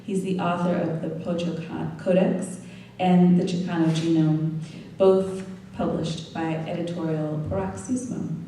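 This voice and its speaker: Low, flat-voiced woman introducing a poet. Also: unhurried. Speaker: event host introducing the poet. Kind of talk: read introduction. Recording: roomy hall from a distance, faint noise.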